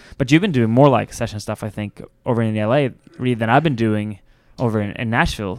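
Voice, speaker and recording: In a very clean recording with a silent background, a man at a medium pitch talks very fast with ordinary pitch variation. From Sweden, Stockholm. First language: Swedish. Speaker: guitarist. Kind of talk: interview.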